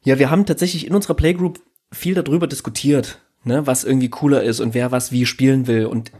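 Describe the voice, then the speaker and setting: Husky German man musing on a podcast. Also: medium pitch, fast, mellow. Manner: reflective, rambling with restarts and fillers. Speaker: podcast host. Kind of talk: casual podcast discussion.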